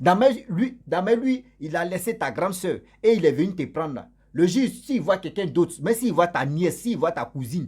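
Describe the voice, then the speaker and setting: Speaking at a moderate pace, a man with a high pitch moves through very wide pitch swings on a very clean recording with a silent background. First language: local African language (speaking French). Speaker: YouTube storyteller and advice giver. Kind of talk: advice monologue. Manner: repetitive, informal.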